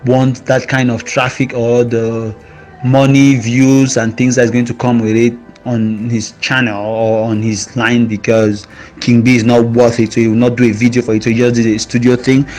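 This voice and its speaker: A man giving casual, excited commentary on a rap diss track, explaining line by line with lots of fillers and restarts. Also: medium pitch, normal speed, soft background music, poor audio. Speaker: music reviewer.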